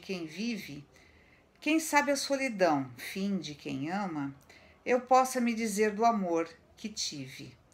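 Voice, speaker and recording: A woman speaks very slowly in a warm tone with a Brazilian accent. Her pitch swings very widely. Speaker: video channel host reading poetry. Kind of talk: poetry reading, warm and measured, intimate delivery to camera. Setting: home video recording. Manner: friendly, warm, unhurried in the sonnet; chatty, affectionate, conversational around the poem. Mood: warm, enthusiastic. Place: home room. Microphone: phone near.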